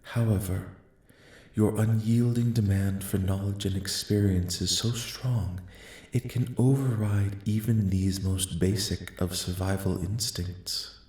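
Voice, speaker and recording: A man playing a calm, benevolent alien envoy in a soft-spoken ASMR roleplay, speaking formally and solemnly in a measured, soothing way. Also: low voice. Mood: calm, gracious. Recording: echoing, reverberant voice track.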